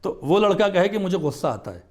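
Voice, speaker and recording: On a studio talk show, a religious scholar appears as a guest and makes his case with earnest emphasis. His voice runs slightly higher than the typical man's, with a sing-song lilt and a somewhat dark tone.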